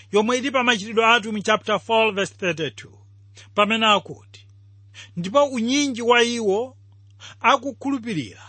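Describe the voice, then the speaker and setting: A man's voice: extremely high pitch, sharp tone, husky, no room sound. A man with a Malawian accent giving a scripted Bible teaching for radio.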